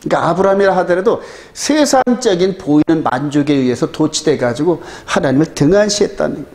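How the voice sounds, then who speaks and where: Korean pastor preaching with emphatic questions. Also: male voice, on the high side, darkish tone. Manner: emphatic, rhetorical questions to the congregation. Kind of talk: sermon.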